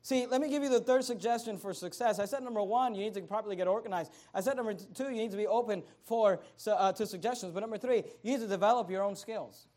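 A man's voice: high voice, fast talker, hardly any pauses, darkish tone. A young adult man preaching a sermon as pastor, emphatic and repetitive, driving his points home.

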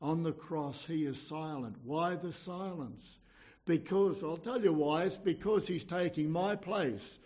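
A man's voice: a little high, mellow. A man preaching an evangelical sermon in an earnest, exhorting manner, often repeating phrases and posing questions.

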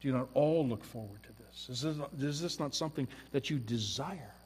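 A man preaching a sermon, swelling loud at climaxes and dropping to a soft hush. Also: medium pitch, fairly quick, slight background noise. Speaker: pastor. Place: church sanctuary. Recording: long church hall reverb.

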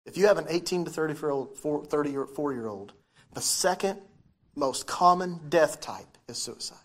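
A man's voice: on the high side, normal speed, fairly bright tone. A man preaching a sermon, repeating key phrases and putting questions to his listeners, his articulation slightly impeded by dental braces.

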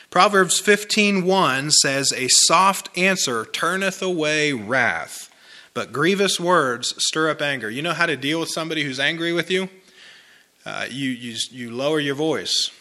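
A man delivers a homely, chatty sermon to a small congregation. His voice is very bright and forward, and he often says a phrase twice for weight. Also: medium pitch. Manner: conversational, folksy, repeats phrases for emphasis. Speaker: pastor. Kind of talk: informal sermon with congregation responses.

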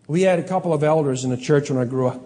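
A middle-aged man from Canada delivers an earnest sermon, slowing down to stress the scripture he reads. His voice sits a little high for a man, with a mellow, soft tone. The recording carries a long reverb from a large hall. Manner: earnest, with slow emphatic scripture reading and self-corrections. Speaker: pastor.

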